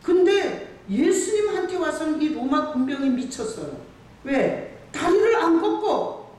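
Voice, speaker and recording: A pastor preaching a sermon in a church, emphatic and quick to throw rhetorical questions at the congregation. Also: high voice, big pitch swings, a little mellow. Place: church sanctuary. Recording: very echoey church hall, far from the mic, faint hiss.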